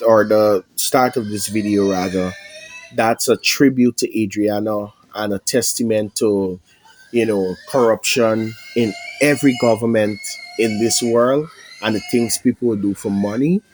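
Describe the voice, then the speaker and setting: Slow-talking Guyanese man, heavy and halting. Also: on the low side, steady tone, a little hiss or hum. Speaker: MMA prediction channel host. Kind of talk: somber direct-to-camera talk. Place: at home indoors.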